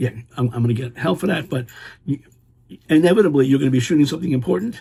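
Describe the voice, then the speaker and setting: Lively intonation marks a man's fairly high, somewhat breathy voice with a dark, mellow tone. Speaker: documentary filmmaker and video host. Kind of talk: casual vlog talk with sponsor plugs. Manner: fast; halting, many repeated words and fillers.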